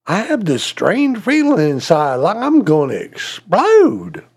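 Man doing a slow, puzzled hen-man. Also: high voice, wildly swooping pitch, husky, heavily acted. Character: bewildered man turned into a hen.

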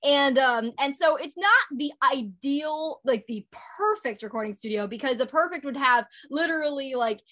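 High-voiced chatty young woman. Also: lively intonation, normal speed, few pauses, fairly bright tone. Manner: chatty, upbeat, many fillers and restarts. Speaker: guest, voice actor and author. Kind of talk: casual interview chat. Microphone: home recording setup.

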